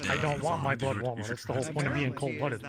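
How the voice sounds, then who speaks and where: A man's voice: mid-range voice, fairly even intonation, fast talker, a loud crowd, close to an everyday voice. A man roleplaying a cold-blooded creature in a casual, literal, dry manner, improvising online. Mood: matter-of-fact. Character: matter-of-fact male cold-blooded creature.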